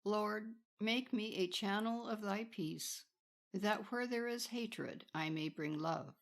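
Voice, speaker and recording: A woman reading a spiritual audiobook in a solemn, measured and deliberate manner. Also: mid-range voice. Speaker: audiobook narrator. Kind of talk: scripted spiritual audiobook narration.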